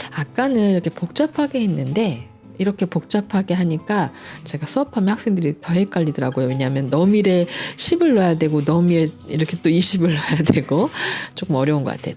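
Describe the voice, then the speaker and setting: A woman's voice: lowish voice, darkish tone. A woman teaching a programming lesson at home, playful and cheerful, patiently walking through each step. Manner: playful, cheerful, sound effects like "짠짠짠"; chatty and patient explaining. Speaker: coding instructor. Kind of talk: screen-recorded programming lesson.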